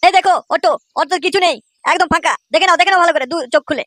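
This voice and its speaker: A woman's voice: very high voice, steady tone, rapid-fire, a bit bright, no room sound, studio quality. A woman voicing an aggrieved, foul-mouthed male rickshaw driver in a comedy cartoon, grumbling and cheeky. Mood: exasperated.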